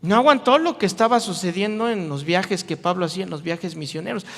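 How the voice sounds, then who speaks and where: A man, a pastor preaching an animated, jokey sermon to a crowd. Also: sits high, fairly quick, vocal fry. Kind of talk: lively youth sermon with acted-out voices. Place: large church hall. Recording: long hall reverb.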